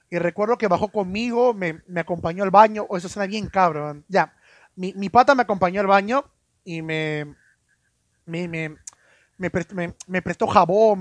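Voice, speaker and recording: A man spins a story for his stream audience, stumbling over and repeating his words. His voice sits high. The sound is dry and close, with no room echo. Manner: stammering, repeats words, swears casually. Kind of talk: casual storytelling on a live stream.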